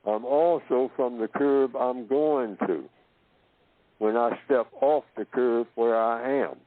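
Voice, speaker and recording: A man from Oklahoma giving a slow philosophical talk, asking himself questions and answering them, and repeating phrases to build his point. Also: mid-range voice, dry recording. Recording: tinny phone-line audio.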